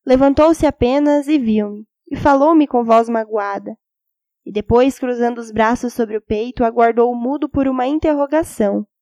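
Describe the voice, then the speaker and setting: A woman's voice: a little high, normal speed, dark tone, no room sound. A woman narrating a literary audiobook in a solemn, dramatic storytelling manner.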